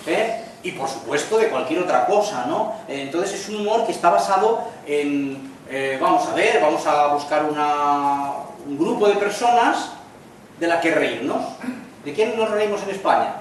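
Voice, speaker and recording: Spanish-accented male lecturer, joking and chatty, voice a little high, recorded from far off in an echoey room. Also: a little hiss or hum. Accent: Spanish (Spain). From Spain. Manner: chatty, tells jokes with quick acted lines. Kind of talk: lecture with jokes.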